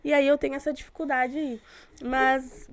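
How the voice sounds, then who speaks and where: Woman with a Rio Grande do Sul accent, high, blunt and rambling, casual talk. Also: flat delivery, moderate pace. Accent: Rio Grande do Sul Portuguese. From Rio Grande do Sul, Brazil. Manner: blunt, rambling, repeats herself. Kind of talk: casual podcast chat.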